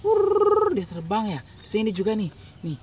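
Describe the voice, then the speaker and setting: A man's voice: high voice, quick pace, far from the mic, dull audio. A man reading a picture book aloud to a small child, using exclamations, sound effects and simple repeated phrases. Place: outdoors on a playground swing in a residential park. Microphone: camera a short distance away. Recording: outdoor noise, voice off from mic.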